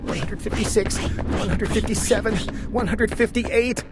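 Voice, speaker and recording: A man's voice: sits high, moderate pace, very noisy, pitched above the performer's own voice, natural voice. A man voicing a polite young peasant boy in a small, earnest, boyish voice. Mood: anxious.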